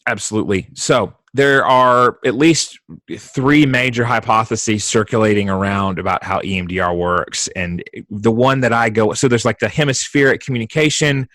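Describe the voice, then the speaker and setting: A man's voice: fairly low pitch, normal speed, a bit bright, no echo. A man hosting a podcast as a therapist, asking questions eagerly and explaining ideas in a casual, affirming way. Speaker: podcast host, EMDR therapist.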